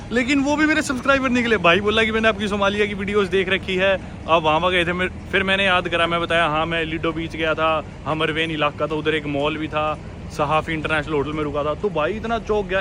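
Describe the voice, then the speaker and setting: A man's voice: sits high, background noise. Chatty young Indian man vlogging outdoors. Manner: chatty, explains sights to viewers while walking. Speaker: travel vlogger. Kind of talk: casual travel vlog narration. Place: outdoors by a road in a small town.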